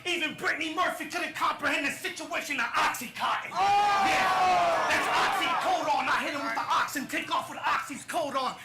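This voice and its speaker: A man shouting rap battle verses in a hype-filled style. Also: very high-pitched, normal speed. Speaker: battle rapper. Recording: loud live crowd and music. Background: cheering crowd and loud music.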